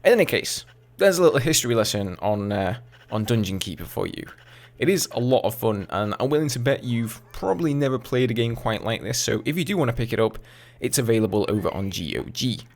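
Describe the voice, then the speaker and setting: A man in his twenties with an English accent, casually answering viewer questions over gameplay footage in a relaxed, chatty way. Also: medium pitch, a little fast. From England. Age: 20s. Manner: chatty, relaxed, with fillers and asides. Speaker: gaming YouTuber.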